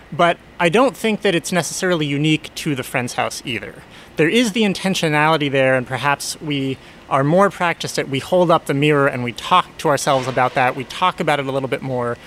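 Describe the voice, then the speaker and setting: An earnest man answers interview questions in a reflective, searching way, often rephrasing as he goes. His voice sits a little high for a man. A faint hum of outdoor street traffic runs underneath. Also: fairly bright tone. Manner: thoughtful, earnest, self-correcting. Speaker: resident of a Quaker community house.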